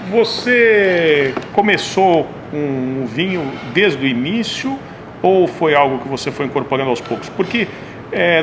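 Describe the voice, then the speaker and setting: A man with a Brazilian accent asks questions as an interviewer, recorded with clearly audible background noise. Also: medium pitch. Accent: Brazilian Portuguese. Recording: clearly noisy background ambience.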